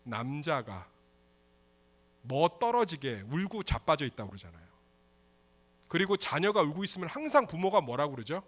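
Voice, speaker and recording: A male pastor preaching a sermon with passion, moving between hushed, quiet lines and loud outbursts. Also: a little high, very animated, normal speed, pauses often.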